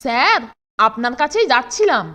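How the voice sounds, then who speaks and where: A woman's voice: sits high, sing-song, normal speed, pushed and bright, heavily acted. A woman voicing an eager, bossy, impatient young boy in a children's cartoon. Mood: polite.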